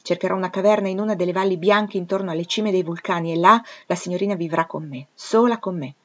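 A woman voicing a stern, commanding middle-aged gentleman who speaks curtly and peremptorily. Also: on the low side, fast talker, highs cut off, natural voice. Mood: teasing. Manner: peremptory, curt.

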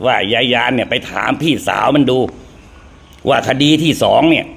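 Halting man in a played clip. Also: mid-range voice, vocal fry, fairly bright tone, husky. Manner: halting, with many fillers.

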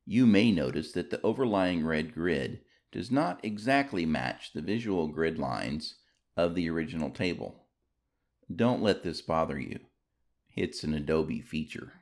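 Low gravelly guy doing a scripted how-to voiceover. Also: lively intonation, a little slow, darkish tone. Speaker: tutorial narrator. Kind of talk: scripted instructional narration.

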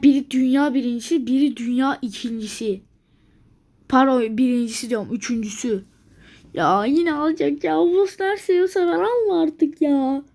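A woman's voice: high voice, a little mellow. A woman commenting on a strategy game she is playing, grumbling in exasperation and thinking aloud to herself. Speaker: gameplay video maker.

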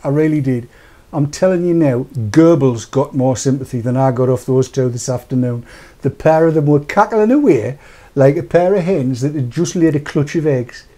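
An older man hosting a casual studio chat, croaky after dental work, jokey and rambling. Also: a little high, normal speed, hardly any pauses, dark tone. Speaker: host. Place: small studio with dark backdrop. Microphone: lapel.

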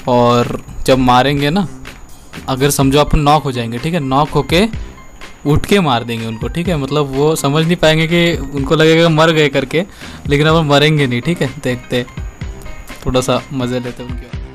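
Excitable high-voiced young gamer man. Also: normal speed. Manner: laughing, shouting, teasing. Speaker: gaming streamer. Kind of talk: excited gameplay commentary. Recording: loud game music behind.

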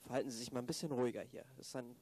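A man's voice: mid-range voice, very fast, warm tone, no echo, natural voice. A man acting a curt, matter-of-fact pathologist in an amateur radio play. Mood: curt, resigned. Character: blunt, resigned male pathologist.

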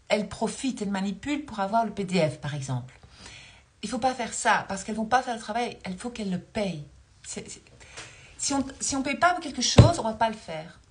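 A woman in her forties talking casually as a spiritual coach on a livestream, recorded on a phone held close in a dim room. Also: medium pitch. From Belgium. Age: 40s. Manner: chatty, laughs often, reads viewer comments aloud.

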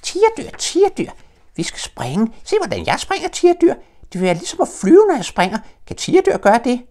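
A bouncy baby kangaroo boy from a storybook, shrieking in a tiny high voice. The voice leaps all over the place and shouts with glee. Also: wildly swooping pitch, exaggerated voice. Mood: excited. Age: older.

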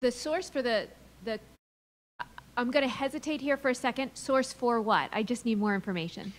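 A woman's voice: fairly high pitch, moderate pace. A woman answering questions as a school administrator at a public meeting in a large room.

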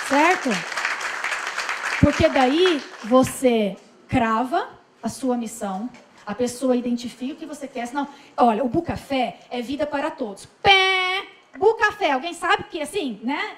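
Brazilian woman trainer, high voice, pushy upbeat coaching, echoey room a bit far from the mic. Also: normal speed, a faint crowd. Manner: lively, coaxing the group, acts out sample lines. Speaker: trainer leading a customer service workshop. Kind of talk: interactive training talk. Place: event room at a forum. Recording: echoey room, mic at a distance, background noise.

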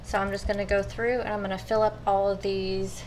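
A woman's voice: mid-range voice, little pitch movement, brisk, low-quality recording. A woman vlogger talking viewers through her meal prep in a casual, chatty way from her home kitchen. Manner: chatty, addresses viewers as you guys. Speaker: cooking vlogger. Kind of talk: casual step-by-step cooking talk.

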